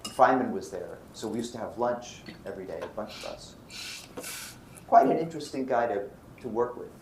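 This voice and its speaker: A man from Brooklyn, United States, delivers an anecdote-filled physics lecture in a lecture room, raising questions and then answering them. His voice is fairly low-pitched and a little mellow. There's a roomy echo with faint background noise.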